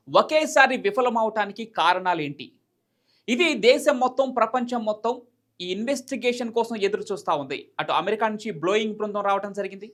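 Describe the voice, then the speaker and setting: Fast-talking man presenting news. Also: high voice, bright, forceful tone. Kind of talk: news commentary to camera.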